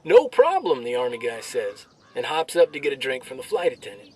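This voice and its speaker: An actor playing a brash, crude army soldier telling jokes with swaggering military banter and drawn-out delivery. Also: male voice, mid-range voice, wildly swooping pitch, a little mellow, husky, distant mic, rough recording. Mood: cocky, joking. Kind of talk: military banter, performed joke storytelling.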